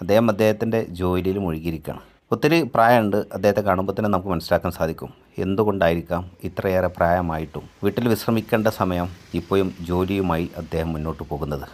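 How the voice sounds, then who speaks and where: Very deep, low male speech, its pitch varying in an ordinary way. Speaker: village vlogger. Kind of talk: documentary-style vlog narration to camera.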